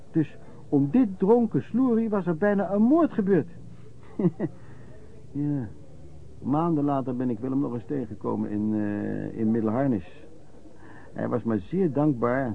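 An actor playing a rough, hard-drinking vagrant pedlar who reminisces in colloquial, old-fashioned, hesitant anecdotes in a Dutch radio play. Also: male voice, mid-range voice. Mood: reminiscing. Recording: dull, lo-fi radio play recording.

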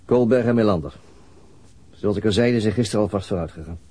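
A man's voice: lowish voice, brisk, mellow, a little hiss or hum, lightly acted. An actor playing a weary middle-aged detective and father, laconic and dryly sardonic, in a naturalistic radio play.

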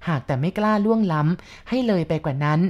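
A woman reading a romantic story aloud in a steady, measured way. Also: fairly low pitch, lo-fi sound. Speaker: story narrator.

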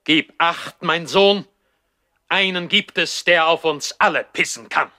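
A man's voice: a little high, a little slow, bright, forceful tone, a little hiss or hum. An actor playing a stern, formal baron and disapproving father in a German radio play from the 1960s. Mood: warning. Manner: formal, admonishing, stiffly dignified.

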